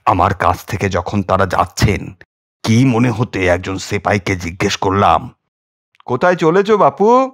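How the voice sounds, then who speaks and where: A man's voice: deep voice, fairly even intonation, a little slow, creaky, a bit bright. A man narrating a horror audiobook in a theatrical, suspenseful manner. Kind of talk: dramatic scripted horror story narration. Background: music.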